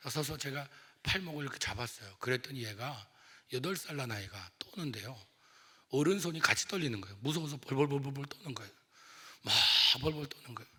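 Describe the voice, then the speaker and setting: A man's voice: medium pitch, a bit bright, slightly rough. Fervent man preaching in a reverberant church. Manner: emotional, rising to fervent appeals. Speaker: pastor. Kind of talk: revival sermon storytelling. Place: church sanctuary.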